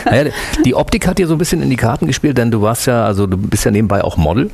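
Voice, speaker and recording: Gravelly, fast-talking male interviewer. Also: mid-range voice, a little mellow, a little hiss or hum. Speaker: host, interviewer. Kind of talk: talk show interview.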